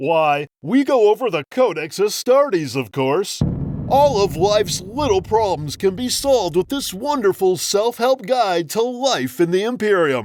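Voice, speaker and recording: A man speaks in a put-on character voice, high for a male, with very wide pitch swings. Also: moderate pace. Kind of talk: comedy audio sketch, multiple character voices.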